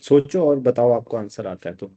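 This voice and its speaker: A man's voice: medium pitch, moderate pace, warm tone, lo-fi sound. A man teaching a live online math class, explaining step by step and often checking that students follow. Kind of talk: live online math lecture, Hindi-English mix.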